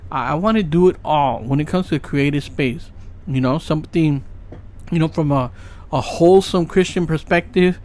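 A man in his late thirties talking casually and earnestly about his goals, rambling with many fillers and asking "right?" often. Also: fairly high pitch. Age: 30s. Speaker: podcast host. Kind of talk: casual motivational monologue.

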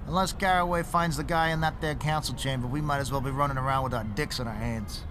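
A man's voice: medium pitch, fast, over music, lightly acted. A man playing a gabby, crude New York beat cop in a pulp radio drama, grumbling and colloquial. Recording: clear ambient noise behind.

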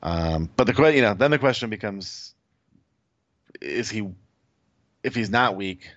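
Lower-voiced man analyzing poker, dull audio. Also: expressive, a little slow, fairly bright tone, dry recording. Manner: thinks aloud, hedging with "like" and "I think". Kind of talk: casual strategy analysis.

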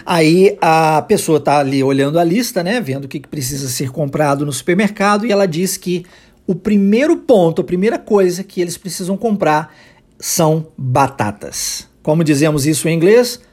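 A man whose first language is Portuguese, teaching English phrases in a podcast lesson and repeating each phrase slowly for learners. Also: on the high side, expressive, darkish tone.

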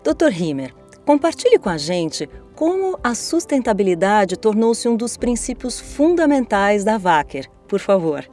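A Brazilian woman hosts a podcast in a formal, scripted style. Her voice sits at a middle pitch and her wording is articulate, with music behind her. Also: very animated, a little slow, warm tone. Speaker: podcast host.

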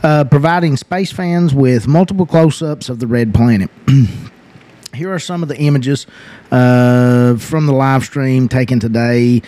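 A man's voice: medium pitch, a little slow, warm tone. A man who hosts a podcast and chats casually, rambling with lots of "like" and laughing often. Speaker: podcast host. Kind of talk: casual chat.

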